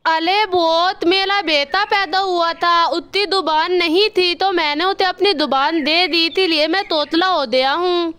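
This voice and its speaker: Woman voicing a gentle lisping crow dad for a cartoon, high and bright tone. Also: fairly even intonation, measured pace, few pauses, exaggerated voice. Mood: lisping, pleading. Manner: lisping baby-talk speech. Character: lisping male crow father, kind and self-sacrificing.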